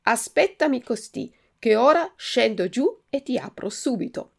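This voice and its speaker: Lady doing a chill slow snail, calm and gravelly, storybook style. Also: fairly high pitch, voice pushed up, exaggerated voice. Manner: unhurried, calm. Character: slow, placid old female snail.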